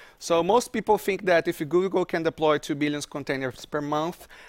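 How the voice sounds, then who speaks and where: A man speaks at a moderate pace with a Brazilian Portuguese accent and ordinary pitch variation, his voice dry and close with no echo. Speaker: software developer advocate / tech speaker. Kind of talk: tech talk. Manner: hesitant, many fillers.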